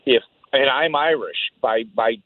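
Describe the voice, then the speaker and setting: A man's voice: medium pitch, measured pace. A man calling in to a radio show from Fort Worth, heated and insistent as he argues his point. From Fort Worth, Texas. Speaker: caller. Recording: phone line.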